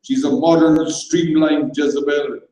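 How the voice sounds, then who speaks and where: A man's voice: on the high side, steady tone, a little slow, warm tone, lightly acted. A man voicing an indignant elderly aristocrat in a staged reading, huffing and theatrical. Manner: pompous, huffing, theatrical outrage. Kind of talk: dramatized live reading. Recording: echoey hall, voice from far off.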